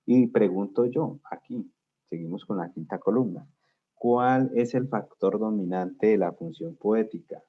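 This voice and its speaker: In a fairly low, slightly rough voice and at a somewhat slow pace, a man gives a class lecture. He works through the material step by step and frequently checks that students are keeping up; the recording has a dull, lo-fi quality.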